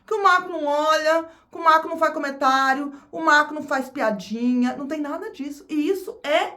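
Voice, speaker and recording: A Brazilian woman vlogger with a Brazilian Portuguese accent chats casually to camera, often repeating her phrases. Her voice is high-pitched, fairly quick and sharp in tone.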